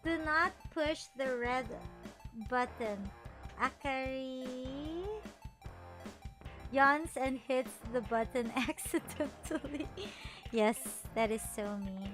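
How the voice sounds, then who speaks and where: Woman streamer, high voice, animated casual chat, soft music underneath. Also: slow, long pauses. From Philippines. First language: Filipino. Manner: animated, playful and self-mocking, laughs often.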